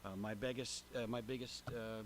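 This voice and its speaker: A man with a mid-range voice gives an informal update at a public meeting. He is plainspoken and hesitant, often pausing on filler sounds, with some room noise behind him. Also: medium pitch, fairly even intonation. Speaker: transportation agency representative giving a public update. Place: city council chamber, public meeting. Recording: noticeable background room noise.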